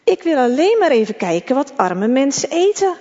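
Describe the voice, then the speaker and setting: A woman's voice: high voice, very animated, normal speed, warm tone, long reverb tail, lo-fi sound. A woman voicing a mean schoolboy bully in a read-aloud story, taunting and mocking.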